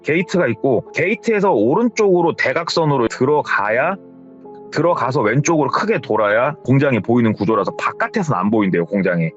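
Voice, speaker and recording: A man's voice: medium pitch, fairly quick. A man hosting a horror story channel, retelling a listener's account in a conversational storytelling manner. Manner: retelling with hearsay, lively delivery. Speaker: horror story radio host. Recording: slightly dull with faint music.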